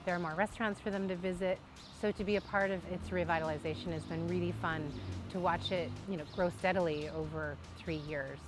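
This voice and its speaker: A middle-aged woman from Detroit who owns a coffee shop, speaking in a measured, matter-of-fact way in a documentary interview. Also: lowish voice, fairly even intonation. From Detroit, USA. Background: background music.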